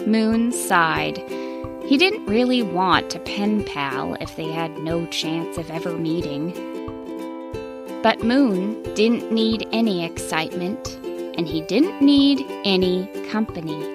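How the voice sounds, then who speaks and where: A woman's voice: lowish voice, animated, slow. Woman narrating a bedtime story over music. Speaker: children's podcast storyteller.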